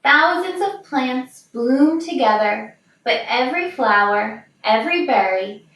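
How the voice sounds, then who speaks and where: A woman reading a children's picture book aloud in a measured, expressive storytelling manner. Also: on the high side. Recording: distant, very echoey room.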